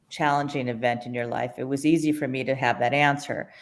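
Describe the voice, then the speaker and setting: A woman talks at a moderate pace. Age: 60s. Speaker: cancer survivor. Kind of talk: interview testimony. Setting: live stream.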